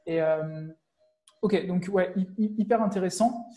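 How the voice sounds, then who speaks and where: High, mellow-voiced young interviewer. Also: male voice, measured pace, soft background music. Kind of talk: casual video-call interview. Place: home room with bookshelves. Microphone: earphone mic on a video call.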